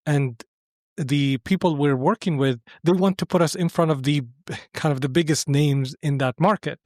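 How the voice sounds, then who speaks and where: Male podcast guest from Syria, slightly high voice, conversational and explanatory, close dry sound. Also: moderate pace, no echo. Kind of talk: conversational interview answers.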